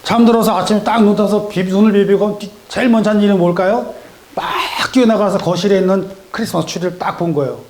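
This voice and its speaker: A man's voice: high voice, fast talker, darkish tone. A middle-aged man preaching a sermon in a church, telling a story and acting out its dialogue in voices. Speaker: pastor. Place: church sanctuary.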